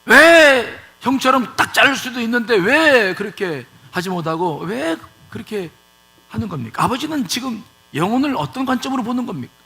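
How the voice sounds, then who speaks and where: A man's voice: extremely high pitch, animated, normal speed, bright, forceful tone. A male pastor preaching a sermon in a church, asking rhetorical questions and repeating points for emphasis. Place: church sanctuary.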